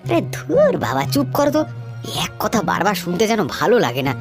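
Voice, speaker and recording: An actor voicing an impatient middle-aged village son who scolds in a brusque way, with music playing behind. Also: male voice, high voice, wildly swooping pitch, a little fast.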